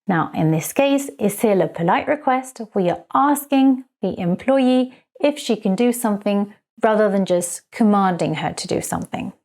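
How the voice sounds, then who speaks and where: A woman teaching business English in an online lesson, slowly modelling phrases for learners. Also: mid-range voice, expressive, a little mellow.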